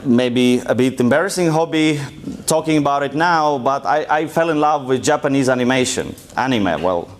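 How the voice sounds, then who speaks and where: A young man from Russia with a thick Russian accent, giving a joking, loosely told presentation to an audience in a lecture room. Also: fairly high pitch. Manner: casual, joking, loose storytelling. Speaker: conference speaker. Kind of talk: live presentation talk.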